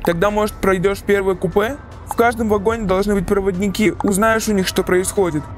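A woman's voice: medium pitch, steady tone, a little fast, faint music behind, pitched below the performer's own voice, lightly acted. A woman voicing a sceptical but concerned young man in a horror text-message story. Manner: questioning, mildly exasperated.

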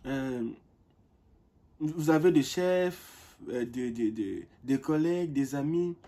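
A young man talks straight to his audience in a casual vlog, telling stories with lively energy. His voice is warm and mellow with a husky edge, and he often doubles back over his words as he speaks. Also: mid-range voice, slow. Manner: animated storytelling, repeats words as he searches for them. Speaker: vlogger. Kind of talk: casual vlog talk to camera.

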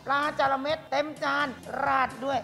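A high-voiced woman hosts a restaurant food show in a bright dining room, chatty and sweet. She keeps the talk light with soft polite endings, and a faint music bed plays under her. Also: flat delivery, moderate pace, gravelly. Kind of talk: upbeat restaurant show hosting.

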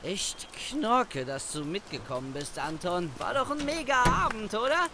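A man's voice: sits high, sing-song, unhurried, background noise, heavily acted. A man voicing an exuberant young male student friend who talks in a bubbly, slangy way. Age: young adult. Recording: rain in background.

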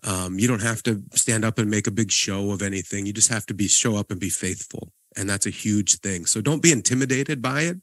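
A man's voice: fairly low pitch, a little fast, few pauses, no room sound. A man co-hosting a church podcast, talking in an earnest, encouraging way with frequent restarts. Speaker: podcast co-host, guest pastor. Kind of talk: casual podcast conversation.

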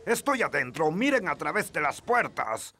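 A man voicing a gruff, cheerful, dim pirate in a children's cartoon, with a Latin American Spanish accent. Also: a little high, big pitch swings, moderate pace, bright, forceful tone, a little hiss or hum. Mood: jovial.

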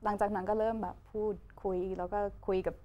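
A woman of twenty-four from Brazil, a Portuguese speaker, answering casually as an interview guest in simple, halting second-language phrases with repeats. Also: mid-range voice, flat delivery, lo-fi sound. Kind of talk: casual talk-show interview. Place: TV studio, indoors. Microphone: clip-on lapel mic. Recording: noisy studio ambience.

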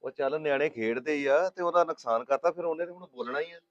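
A man's voice: on the high side, quick pace, natural voice. A man playing an easygoing husband. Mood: calm. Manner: easygoing, mild. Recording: dull lo-fi sound.

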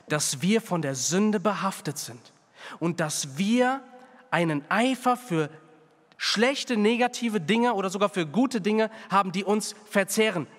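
Male pastor, fairly high voice, passionate sermon delivery that drops to quiet appeals, long church reverb. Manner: preaching with big swings between fervent and hushed.

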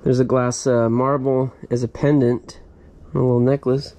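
Filmed on a head-mounted action camera inside a storage unit, a middle-aged man who resells storage units talks casually through an unboxing and excitedly exclaims over what he finds. His mid-range voice moves at a moderate pace against a noisy background.

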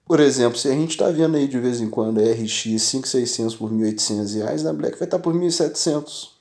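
Addressing his audience directly, a tech channel host who is also a shopkeeper chats casually with a Brazilian Portuguese accent. His voice is a little high and creaky; he's animated and emphatic, repeatedly checking in with "entendeu?".

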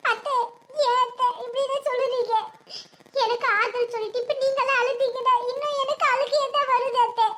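A woman's voice: very high voice, level tone, normal speed, a little hiss or hum. A woman voicing a tearful young cartoon widow. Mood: pleading. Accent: southern Tamil Nadu. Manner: pleading, soft.

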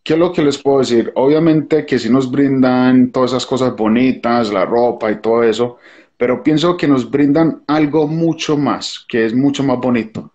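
A young man with a Colombian accent speaks in an even, middle-pitched voice, sincere and reflective. He slips English fillers into his talk. His voice comes over a dull, lo-fi video call from a dim room. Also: moderate pace. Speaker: guest, former TV show contestant. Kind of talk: casual video call interview. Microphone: phone video call.

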